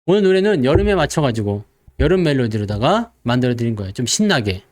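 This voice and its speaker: A man with a mid-range, slightly mellow, very animated voice talks quickly through casual, jokey stock market commentary. He playfully voices investors and trades jokes with viewers.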